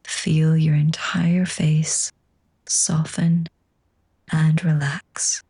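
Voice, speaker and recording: Gently and slowly, a woman talks listeners through yoga nidra relaxation. She has a low-pitched, level voice that is breathy, husky and soft, with a hushed, soothing quality.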